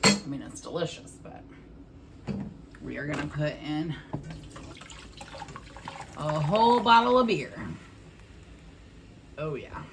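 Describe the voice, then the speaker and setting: A woman's voice: deep voice, big pitch swings, slow, long pauses, heavy background noise. A woman in her forties hosting a cooking vlog, chatting candidly and casually to the camera in a conversational way. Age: 40s.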